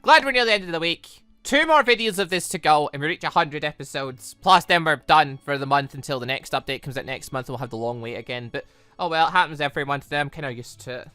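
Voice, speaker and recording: A man's voice: on the high side, fast, pushed and bright, clean tone, dry recording. A man giving casual, rambling let's-play commentary as a gaming video host, often correcting himself mid-thought. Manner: rambling, self-correcting, informal.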